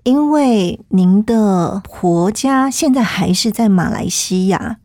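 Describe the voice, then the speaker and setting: A woman's voice: medium pitch, animated, slow, dark tone, no echo, studio quality. A woman hosting a conversational interview, asking questions politely and attentively. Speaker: interview host.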